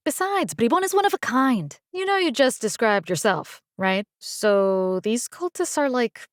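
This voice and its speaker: Game role: young Latina combat rescue engineer. Tough, wry, slangy, very dry studio sound. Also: female voice, on the high side, lively intonation, measured pace, no room sound. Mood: wry, casual. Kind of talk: video game character voice lines.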